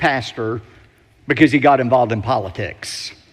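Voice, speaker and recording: Vocal fry marks this man's medium-pitched voice, with an American accent. He speaks at a fairly slow pace with lively intonation. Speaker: Baptist pastor and televangelist. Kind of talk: sermon preaching.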